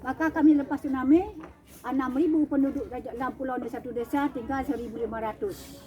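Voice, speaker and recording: An older woman telling what she saw as an eyewitness, animated and acting out the cries and calls of others. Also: high-pitched, brisk. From Aceh, Indonesia. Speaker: tsunami eyewitness speaking to visitors. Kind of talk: emotional eyewitness storytelling. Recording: crowd of listeners around. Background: crowd.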